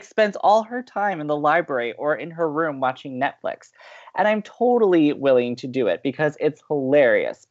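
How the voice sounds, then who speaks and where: A very animated, upbeat radio co-host. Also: female voice, fairly low pitch, muffled recording. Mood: playful, gossipy. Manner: playful, emphatic, animated. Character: upbeat, teasing, hopelessly romantic college radio advice co-host. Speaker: actor in a romantic comedy podcast. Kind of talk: audio drama acting as casual radio banter.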